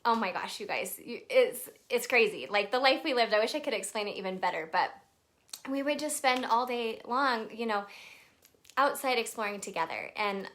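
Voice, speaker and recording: Bright-voiced chatty woman on a live stream. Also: fairly high pitch, normal speed. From Texas. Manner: chatty, with many fillers, greeting viewers mid-story. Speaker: makeup brand artist hosting a live video. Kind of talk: casual live-stream storytelling.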